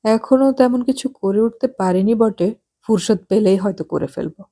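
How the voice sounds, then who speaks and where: A woman's voice: medium pitch, normal speed, dark tone, natural voice. A woman voicing a polite but wry young priest in an audiobook, speaking in a dry, mock-humble way. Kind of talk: audiobook character voice.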